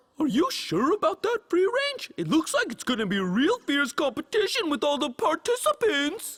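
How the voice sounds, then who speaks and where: A cartoonish character voice runs high in pitch at a moderate pace. It barely stops, with hardly any pauses. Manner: casual, boastful.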